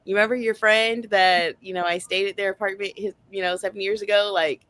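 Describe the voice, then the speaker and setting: A woman's voice: mid-range voice, fairly even intonation, fairly quick, a bit bright, poor audio. A woman in a casual book club chat, talking in a rambling way with lots of filler phrases. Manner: rambling, heavy use of like and you know.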